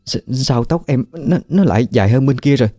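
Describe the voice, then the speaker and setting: A man's voice: mid-range voice, expressive, fast talker, mellow, no room sound, clean studio sound, faint music behind, pitched above the performer's own voice, close to an everyday voice. A man voicing a frightened young woman hairdresser who stammers in panic, with a Southern Vietnamese accent. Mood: stammering.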